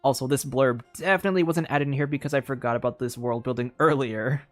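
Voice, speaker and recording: With music in the background, an expressive game streamer reads out a story like a storybook and tosses in casual side comments. The voice is medium in pitch and quick.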